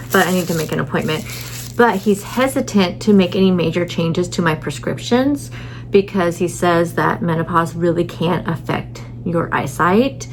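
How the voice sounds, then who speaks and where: A woman's voice: fairly low pitch, noisy background. A middle-aged woman chatting casually in a vlog from a hotel room, rambling with many fillers, tired and a little stuffy. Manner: rambling, lots of fillers and restarts. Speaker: vlogger.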